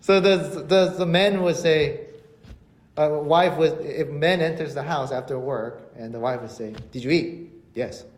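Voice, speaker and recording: A man preaching a sermon in Korean and English, asking the congregation rhetorical questions and then restating each point slowly in English. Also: on the high side. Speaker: pastor. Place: church sanctuary. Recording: echoey church hall.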